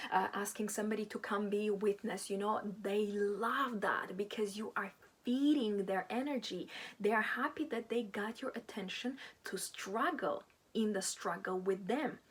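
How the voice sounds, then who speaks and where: Breathy woman giving earnest advice. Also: mid-range voice. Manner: earnest, acts out quoted replies. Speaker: self-help video host. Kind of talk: informal advice talk.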